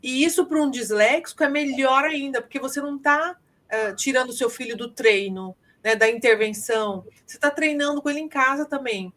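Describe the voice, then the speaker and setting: A woman's voice: high voice, brisk, fairly bright tone. A woman co-hosting a podcast in casual chat, explaining her points step by step in a thoughtful way.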